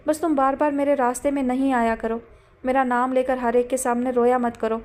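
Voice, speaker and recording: A woman's voice: sits high, flat delivery, a little mellow, close to an everyday voice. A woman voicing a proud young man who speaks with weary irritation and dismissal in an audiobook drama. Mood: irritated.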